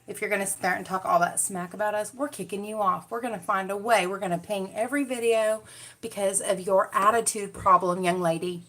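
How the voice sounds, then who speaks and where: Stern YouTube staffer, put on by a woman, scolding, threatening, hushed. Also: medium pitch, fairly even intonation, a little fast, a little hiss or hum, close to an everyday voice.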